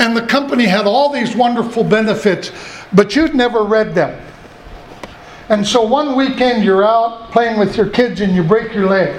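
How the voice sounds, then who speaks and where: Over noticeable background noise, a man talks at a high pitch and a moderate pace, with ordinary pitch variation. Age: 70s. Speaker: pastor. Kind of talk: sermon. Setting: church.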